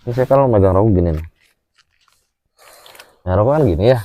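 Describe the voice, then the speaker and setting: A man telling his personal experience in a casual chat, animated and full of fillers. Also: fairly low pitch, fairly quick, highs cut off. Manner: animated, with frequent filler "ah" and "A", acts out gestures while telling.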